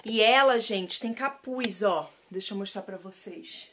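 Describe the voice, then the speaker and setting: A mid-range, slightly slow and somewhat bright voice, with a little hiss or hum behind it, belongs to a Brazilian vlogger. In a casual haul chat to camera, she gushes about what she thrifted, addresses viewers directly and repeats praise words.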